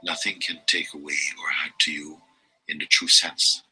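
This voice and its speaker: A man giving a slow, meditative reading of spiritual teachings, measured and deliberate, with long pauses. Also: a bass voice, flat delivery, pushed and bright, breathy edge, poor audio.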